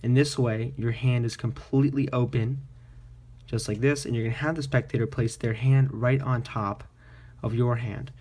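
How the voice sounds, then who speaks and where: A man's voice: mid-range voice, steady tone, moderate pace, a little mellow. A man presenting a card trick tutorial in casual magician patter, explaining informally step by step.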